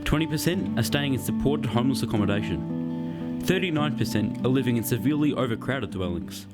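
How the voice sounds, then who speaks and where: A man narrating a script in a measured, even reading. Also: mid-range voice, over loud music.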